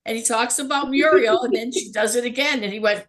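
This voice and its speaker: A woman's voice: on the high side, brisk. A middle-aged woman, a spiritual healer, telling a story in a casual chat with frequent laughter. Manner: animated anecdote-telling, laughs often. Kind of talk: casual storytelling on a talk show.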